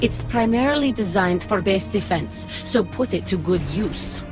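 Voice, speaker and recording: A woman's voice: mid-range voice, expressive, moderate pace, natural voice. An actress playing a stern, formal female military commander in a game cutscene, speaking in clipped orders over music. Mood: briefing. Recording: game audio with loud music behind.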